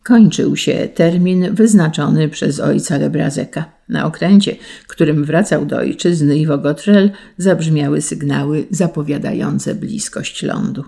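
An audiobook narrator reading a classic tale in a measured, solemn storytelling manner. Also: medium pitch, vocal fry, dark tone.

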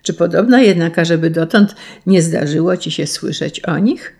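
A woman voicing a kindly uncle who gently teases and explains things to children. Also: on the low side, moderate pace. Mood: teasing. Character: kindly, amused uncle, a grown man.

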